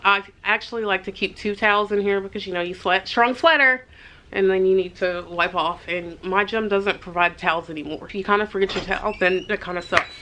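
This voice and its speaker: A woman's voice: mid-range voice, a little fast, pushed and bright, rough recording. A middle-aged woman chatting to her camera in a casual vlog, upbeat and rambling with asides. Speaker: vlogger. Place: parked car, then a bedroom.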